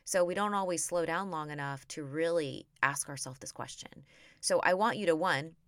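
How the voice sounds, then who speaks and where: A woman in her thirties hosting a podcast, chatting upbeat and encouraging, her voice slightly raspy from being sick. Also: low-pitched, normal speed, fairly bright tone, dry recording, studio quality. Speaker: podcast host. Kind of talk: casual chat.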